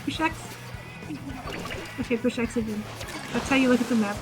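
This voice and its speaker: A woman's voice: fairly high pitch, normal speed, music in the background. A woman streaming a game while patiently coaching a newcomer, giving instructions and laughing often. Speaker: experienced player coaching a newcomer. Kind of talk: casual game stream chat.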